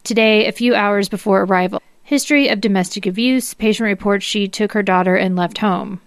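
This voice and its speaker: A woman's voice: medium pitch, fairly quick, no room sound, clean studio sound. A woman co-hosting a podcast, reading documents aloud and explaining them. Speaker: podcast co-host.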